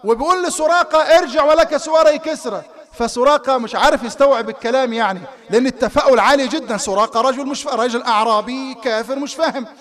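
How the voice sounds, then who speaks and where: A man with an Egyptian Arabic accent gives a live sermon in a very high voice. He talks fast and tells his stories with animation. He often stops to ask his listeners rhetorical questions. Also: fairly bright tone. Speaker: preacher. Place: Islamic center hall.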